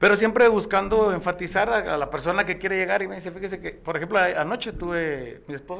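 A bright, sharp tone at a very fast pace, with ordinary pitch variation. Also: man. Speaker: coffee shop owner. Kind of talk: casual chat. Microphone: far from the mic.

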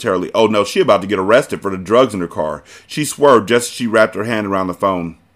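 A natural voice reading aloud.

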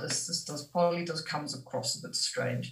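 Noticeable background noise behind a woman's moderately paced speech. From Germany. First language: German. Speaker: horse trainer and vet. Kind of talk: casual interview.

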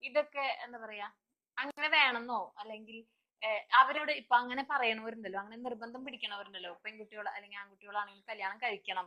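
A woman speaks in an ordinary speaking voice at a fairly high pitch, with ordinary pitch variation and big swings in loudness. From Chennai, then rural Thrissur, Kerala. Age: young. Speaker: literature student and news reader. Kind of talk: casual interview chat.

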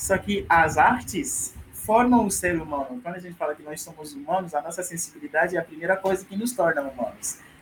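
Over noticeable background noise, a man speaks fairly quickly in a high voice. His loudness swings widely while his pitch varies an ordinary amount. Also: hardly any pauses. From Togo. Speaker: singer. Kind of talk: casual chat. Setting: studio.

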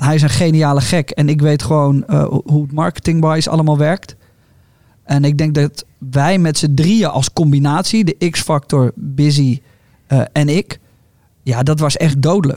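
A man's fairly high-pitched, dark, mellow voice at a fairly slow pace, with ordinary pitch variation, very even loudness, and a dry, close sound with no echo. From Netherlands. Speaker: podcast host. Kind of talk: casual chat.

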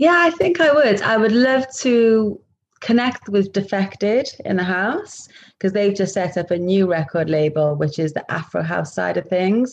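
Delivered at a moderate pace in a Cardiff accent, the speech has lively intonation. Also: woman, medium pitch for a woman. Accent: Cardiff Welsh English. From Wales. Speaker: DJ. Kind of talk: casual interview.

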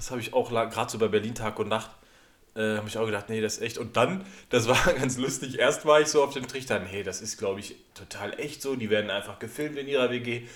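At a fairly quick pace, a man uses a plain, everyday voice with a medium pitch and ordinary pitch variation. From Sauerland, Germany. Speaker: podcast co-host. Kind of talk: casual chat. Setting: studio.

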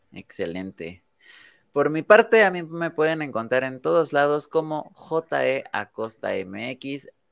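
Against a quiet background, a man speaks very slowly in a fairly high pitch with very wide pitch swings. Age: 20s. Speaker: podcast co-host and harpist. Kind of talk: casual interview.

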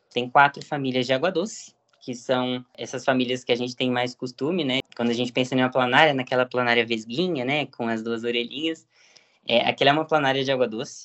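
A man with a plain, everyday voice and medium pitch talks at a fairly quick pace. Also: fairly even intonation. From Brazil, Paulínia near Campinas, São Paulo state. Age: 20s. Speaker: biology researcher on planarians. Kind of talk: podcast interview.

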